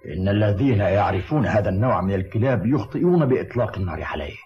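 A man voices a protective old mountain man from a vintage cartoon, low and grave. The recording is dull, with music behind him. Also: expressive, very fast, natural voice. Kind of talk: cartoon dub acting.

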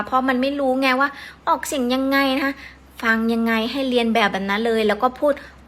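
A woman's voice: fairly high pitch, bright, forceful tone. A woman giving a chatty, playful language lesson to beginners. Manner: chatty, playful, repeats words for practice. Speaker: Japanese language teacher. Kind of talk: casual video lesson.

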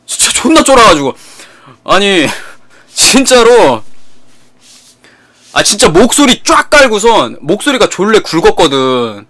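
A high-voiced young man streams a casual story, swinging his pitch widely. His tone is bright and sharp. He repeats and swears freely as he tells it. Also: measured pace, long pauses. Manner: animated, repetitive, profane retelling.

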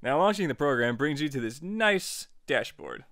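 Higher-voiced man giving a casual tutorial. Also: big pitch swings, normal speed, fairly bright tone, dry recording, studio quality. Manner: jokey, informal, playfully emphatic. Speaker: software tutorial host. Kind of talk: casual tutorial narration over screen recording.

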